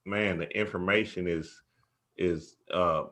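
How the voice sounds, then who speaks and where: A man's voice: low voice, steady tone, slow, fairly bright tone. A man co-hosting a casual talk show, chatting in an enthusiastic, slangy and emphatic way.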